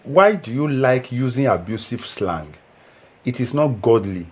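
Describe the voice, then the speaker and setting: A man's voice: medium pitch, lively intonation, a little slow, a little mellow, breathy edge. An actor playing an earnest young Christian man who preaches and pleads. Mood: preachy. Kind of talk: film drama acting.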